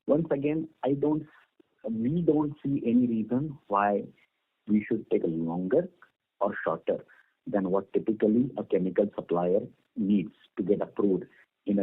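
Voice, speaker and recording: Measured executive on a tinny phone line. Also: male voice, fairly low pitch, breathy edge. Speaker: company executive answering analysts. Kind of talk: earnings call answers.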